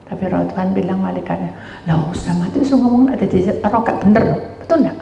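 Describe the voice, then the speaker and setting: Acting out voices with animation, a middle-aged woman pastor narrates a sermon story and calls out to the congregation as "saudara." She speaks fast in a creaky, medium-pitched voice, heard from a distance in a roomy hall with slight background noise.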